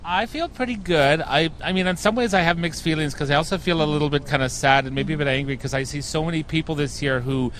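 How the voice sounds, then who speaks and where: Fast-talking earnest man from Israel. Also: on the high side, a bit bright. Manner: earnest, rambling with "you know" and "I mean". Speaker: poppy volunteer being interviewed. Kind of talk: street interview. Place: outdoors by a street with traffic. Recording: noisy outdoor street recording.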